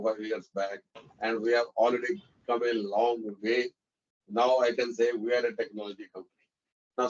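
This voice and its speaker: A male executive with an Indian accent explains business matters off the cuff. His voice is slightly low and comes through a dull, band-limited conference line. He speaks haltingly, repeating words for emphasis. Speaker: company executive answering analysts on an earnings call.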